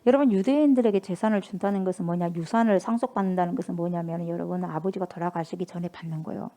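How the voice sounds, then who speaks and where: A woman's voice: on the low side, fast talker, dark tone. A woman pastor preaching a sermon in an emphatic, repetitive, conversational way.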